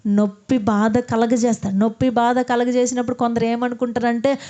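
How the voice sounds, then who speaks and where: High-voiced woman preaching a sermon. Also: flat delivery, brisk, dark tone. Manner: asks the congregation questions and answers them herself; leads the congregation in prayer.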